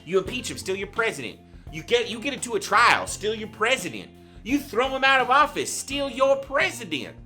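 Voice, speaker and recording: A man playing a brash, loudmouthed redneck guest who rants crudely and rambles on a comedy show. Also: very high-pitched, very animated, moderate pace, faint music behind, exaggerated voice. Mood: ranting. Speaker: guest ranter.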